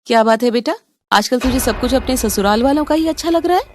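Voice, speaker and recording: A woman's voice: sits high, expressive, fast talker, a little hiss or hum. A woman voicing a jealous middle-aged mother who taunts and reproaches her daughter. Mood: reproachful.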